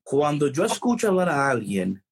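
A man co-hosting a casual Bible discussion, animated and full of restarts, mixing English phrases into his Spanish. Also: on the high side, normal speed, a little hiss or hum. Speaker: co-host of a Bible talk show.

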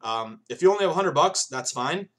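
A man's voice: on the high side, lively intonation, fairly quick, a bit bright. A man in his thirties hosting a sports betting podcast, talking casually and rambling, with many fillers, and calling his listeners "guys". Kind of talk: casual solo podcast monologue.

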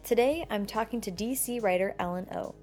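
A woman podcast host narrating a scripted introduction with a measured, upbeat delivery. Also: medium pitch, a little mellow, soft background music.

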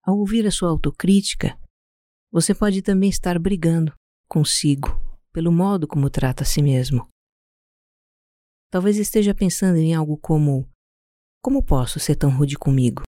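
A Brazilian-accented speaker guiding a meditation in a calm, soothing, unhurried way, leaving pauses between instructions. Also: medium pitch, no echo, studio quality. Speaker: podcast host guiding a meditation. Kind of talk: slow guided meditation narration.

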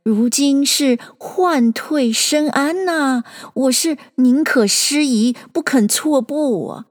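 Woman putting on a fussy young gentleman from an old storybook, slow and preachy, high voice. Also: animated, long reverb tail. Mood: prim. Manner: pedantic, drawn-out archaic speech.

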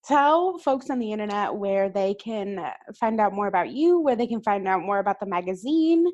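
A woman's voice: medium pitch, lively intonation, moderate pace, a little mellow. A woman co-hosting a podcast, asking questions in an upbeat, enthusiastic way. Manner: upbeat, enthusiastic, laughs along. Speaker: podcast co-host. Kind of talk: casual interview chat.

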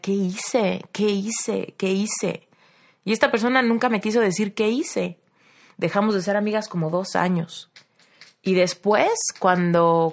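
A woman with a Mexican accent hosting a podcast as a life coach, telling personal stories in a casual, reflective way and repeating phrases for emphasis. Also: fairly low pitch.

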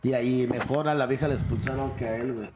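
A young man with a Mexican accent telling lively, crude stories in casual chat. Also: medium pitch, fast, over music. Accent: Mexican Spanish. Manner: crude slang, lively anecdotes. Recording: echoey room.

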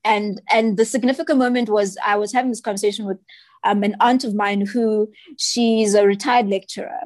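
A woman's voice: mid-range voice, steady tone, brisk, a little mellow, no echo. Chatty South African woman, dry sound. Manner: chatty storyteller, often adds "you know" and "right". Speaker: children's book author, guest. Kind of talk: casual interview chat.

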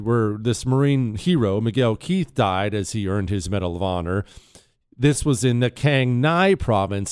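A man's voice: medium pitch, a little mellow, smooth, dry recording. Male talk radio host, dry studio sound. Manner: folksy, plain-spoken, explanatory asides to listeners. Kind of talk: conversational radio monologue with read citation. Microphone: close studio microphone.

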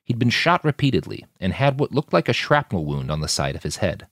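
Low-voiced male audiobook narrator. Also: sing-song, brisk, a bit bright, dry recording, clean studio sound.

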